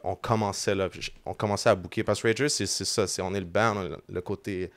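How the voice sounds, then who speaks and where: Low, flat-voiced Québécois man. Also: fast talker, dry recording. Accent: Québécois French. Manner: switches freely between French and English slang. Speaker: band member and lead vocalist, guest. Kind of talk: casual podcast conversation. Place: podcast studio.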